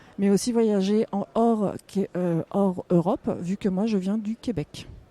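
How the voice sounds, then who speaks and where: In a dry, close sound with no echo, a woman talks at a fairly slow pace, her medium pitch showing ordinary variation and her tone dark and mellow. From Quebec. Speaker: lawyer. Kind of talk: conference panel talk. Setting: conference stage with audience. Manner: hesitant, many fillers.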